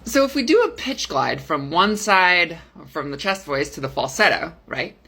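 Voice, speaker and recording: A young woman voice coach explaining vocal technique in a casual, demonstrative way, switching into falsetto and chest voice. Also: big pitch swings, normal speed, sharp tone, breathy edge. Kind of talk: explaining vocal technique simply with sung examples.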